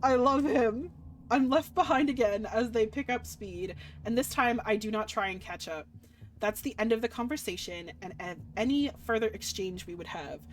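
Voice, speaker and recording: A woman game streamer reading a visual novel aloud dramatically and adding casual, expressive commentary. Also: on the high side, moderate pace. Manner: expressive, reactive.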